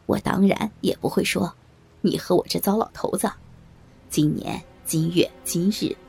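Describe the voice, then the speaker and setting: A woman's voice: fairly low pitch, measured pace, gravelly, darkish tone, soft background music, pitched below the performer's own voice. A woman voicing a sly, leering old man who gloats and chuckles mockingly. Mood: gloating, sly.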